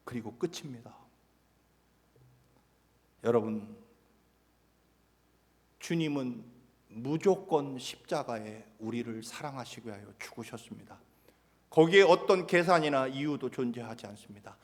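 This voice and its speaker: A male pastor preaching a sermon in a dramatic way, acting out imagined dialogue and swinging from loud to soft. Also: medium pitch, lively intonation, measured pace, pauses often. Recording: long church hall reverb.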